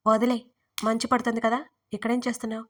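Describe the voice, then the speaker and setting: A woman's voice: on the high side, flat delivery, fast talker, natural voice. A woman voicing a stern but tender young man speaking curtly to his fiancée, in a storybook romance. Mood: gruff.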